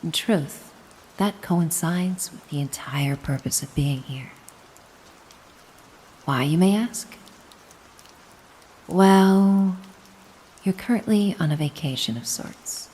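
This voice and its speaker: A woman playing a gentle, doting, mysterious caretaker in a soothing hypnosis roleplay, coaxing and reassuring the listener. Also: lowish voice, slow, pauses often, husky, low-quality recording. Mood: hypnotic, tender. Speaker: hypnosis audio performer.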